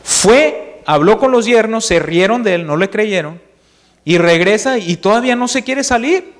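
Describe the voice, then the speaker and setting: A man with a high voice preaches a sermon in a church. He tells a Bible story with lively acted-out dialogue, and his voice carries a long reverb from the hall. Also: normal speed.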